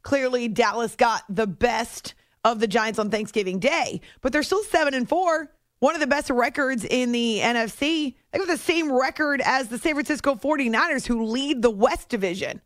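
Woman radio host, slightly high voice, dry close studio sound, chatty with asides. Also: normal speed, few pauses, no echo. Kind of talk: late-night sports radio talk. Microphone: studio microphone.

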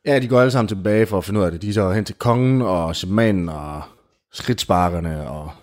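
A man telling an improvised comic story in casual chat, animated and full of fillers. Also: deep voice. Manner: animated, jumps into character voices, many fillers like "du ved".

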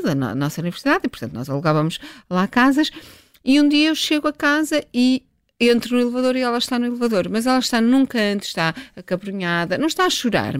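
Middle-aged woman, scientist guest, lively anecdotal storyteller, dry close sound. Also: medium pitch, clear, resonant tone, no room sound. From northern Portugal. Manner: lively, chatty, with frequent restarts and laughs. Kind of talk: relaxed storytelling in a radio interview.

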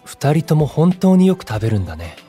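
An actor playing a kind, composed young male idol in an audio drama, speaking as a friendly, encouraging senior with gentle wording. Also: fairly high pitch, sing-song, a little fast, slightly rough, faint music behind. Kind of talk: Japanese audio drama acting.

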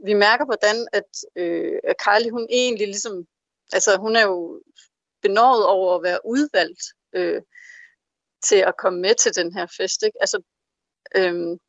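This interview features a woman author of medium pitch, recorded without echo and with the highs cut off. She reads aloud from her novel, but her unscripted answers come out hesitant and packed with fillers.

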